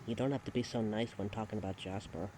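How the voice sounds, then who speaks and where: A man's voice: fairly low pitch, fairly even intonation, fast, mellow, slight background noise, natural voice. A man voicing a guarded, blunt werewolf in a scripted audio drama. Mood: subdued. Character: guarded werewolf searching for a stolen mate.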